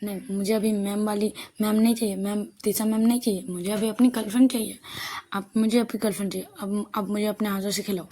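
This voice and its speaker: A woman's voice: medium pitch, steady tone, fast talker, warm tone, natural voice. A woman voicing a playful young female student who whines and pleads in a teasing, pouty way. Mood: pouty pleading.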